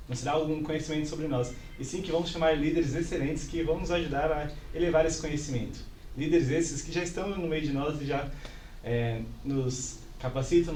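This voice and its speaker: Slightly high male co-host, echoey room. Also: darkish tone. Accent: São Paulo Brazilian. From São Paulo, Brazil. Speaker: podcast co-host. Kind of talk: casual interview chat. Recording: roomy, distant mic, background noise.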